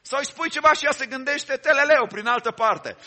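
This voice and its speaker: High, bright-voiced fervent male preacher. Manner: fervent, exhorting, with repeated refrains and call-and-response. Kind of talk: sermon.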